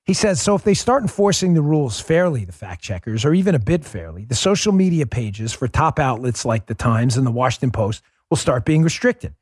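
A middle-aged man hosting a political talk podcast, speaking emphatically into a studio microphone, calling his listeners folks and dropping his voice low for emphasis. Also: sing-song, brisk, hardly any pauses, breathy edge, no room sound. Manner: emphatic, swings loud and quiet for emphasis; addresses listeners directly as folks. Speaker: podcast host. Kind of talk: political talk show monologue.

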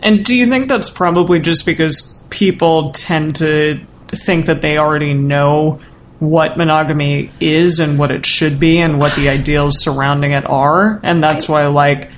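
Flat-toned inquisitive podcast co-host. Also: medium pitch, measured pace, a little hiss or hum. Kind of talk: casual podcast discussion.

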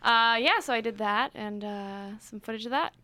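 A woman's voice: a little high, normal speed, sharp tone, no echo. A woman chatting informally as a podcast panelist, with a giggly manner. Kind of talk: casual chat.

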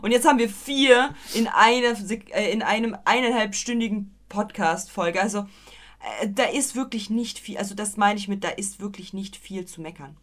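A woman's voice: medium pitch, moderate pace, a bit bright. Young woman, podcast co-host, casual and chatty, rambles and restarts, playful. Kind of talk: casual film review chat.

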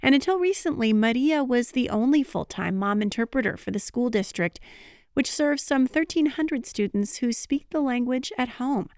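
Woman news host, higher register, dry studio read. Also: expressive, moderate pace, darkish tone, clear, resonant tone, dry recording. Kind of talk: scripted news presenting.

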